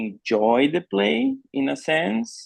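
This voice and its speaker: A man speaks at medium pitch in a Brazilian accent. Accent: noticeable foreign accent, Brazilian. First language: Portuguese. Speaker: actor. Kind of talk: post-show talkback. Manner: hesitant, with many fillers.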